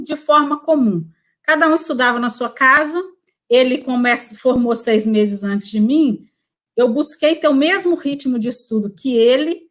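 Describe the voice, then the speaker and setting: A woman in her forties from Brazil, a prosecutor telling her career story in a relaxed interview, with tag questions and self-corrections. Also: sits high.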